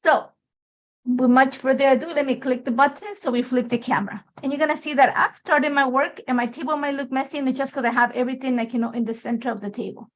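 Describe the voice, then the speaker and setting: A woman with a high voice hosts a live craft tutorial. She is a native Spanish speaker and talks in an informal, chatty, meandering way. The livestream sound is somewhat dull and muffled. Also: steady tone, fast talker.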